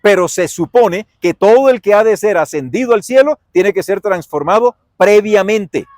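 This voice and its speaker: A man with a Colombian accent teaching a Bible lesson as a pastor, in a folksy, animated way that asks and answers his own questions. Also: high-pitched, normal speed, no room sound, studio quality. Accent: Colombian Spanish.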